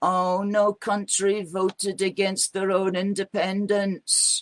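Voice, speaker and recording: Using a put-on character voice with a Scottish accent, a man talks at a fairly slow pace in a high pitch, his intonation monotone and flat. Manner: smug, mocking.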